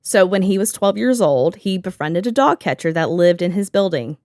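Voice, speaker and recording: A woman's voice: fairly low pitch, lively intonation, normal speed, darkish tone, dry recording. Sarcastic woman host with a dry sound. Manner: sarcastic, laughs often, swears freely. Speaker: podcast host. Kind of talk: casual chat.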